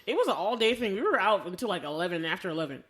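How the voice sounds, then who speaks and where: A woman's voice: medium pitch, very animated, racing, a bit bright. Chatty, enthusiastic American woman co-host. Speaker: podcast co-host. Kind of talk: casual chat, storytelling.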